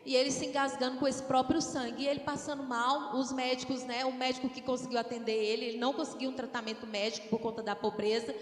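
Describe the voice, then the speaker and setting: A woman with a Brazilian accent preaching a sermon, animated and calling on the congregation to respond. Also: high voice, quick pace, hardly any pauses. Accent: Brazilian Portuguese. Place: church hall. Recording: echoey church hall with long reverb.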